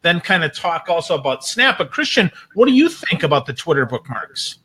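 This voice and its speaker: A man's voice: a little high, big pitch swings, fairly quick, pushed and bright, breathy edge. A man speaking as a guest in a casual panel discussion, stressing his points emphatically. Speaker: talk show guest panelist.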